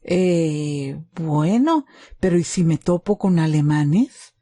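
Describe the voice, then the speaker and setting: A woman's voice: low voice, lively intonation, slow pace, warm tone, full character voice. A woman voicing a naive young German boy in a wartime story, questioning and hesitant. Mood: unsure.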